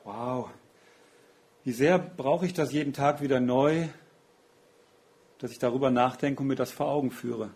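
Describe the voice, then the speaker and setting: A man's voice: medium pitch, a little slow, pauses often, darkish tone. A man preaching a sermon in an earnest, reflective way, often asking rhetorical questions.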